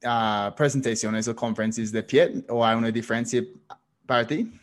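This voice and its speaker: Hesitant man asking questions. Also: medium pitch. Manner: hesitant, halting questions with fillers. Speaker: interviewer and speaker. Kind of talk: casual interview questions.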